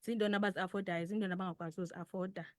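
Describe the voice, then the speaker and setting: A woman's voice: medium pitch, fairly even intonation, very fast, no echo, clean studio sound. A woman with a South African Xhosa accent answering conversationally in a radio interview, mixing two languages as she explains. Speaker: interviewed foundation representative.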